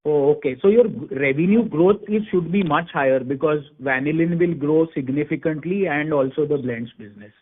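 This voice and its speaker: Higher-voiced man, phone-line sound. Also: fairly quick, hardly any pauses. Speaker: analyst caller asking questions. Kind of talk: earnings call questions. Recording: narrow tinny phone line.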